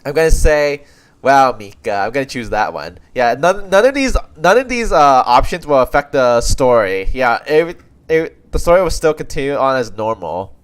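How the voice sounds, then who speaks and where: A man from Canada who comments casually while streaming a video game. He talks haltingly, restarts his sentences often, and chuckles. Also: mid-range voice, very animated, clear, resonant tone. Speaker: livestreamer.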